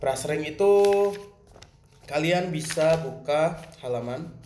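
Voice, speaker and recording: A man's voice: on the high side, takes it slowly, a little mellow, a little hiss or hum. A male teacher with a Jakarta accent explains a music lesson plainly, asking and answering his own questions. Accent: Jakarta Indonesian. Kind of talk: recorded lesson for students. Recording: roomy with faint ambience.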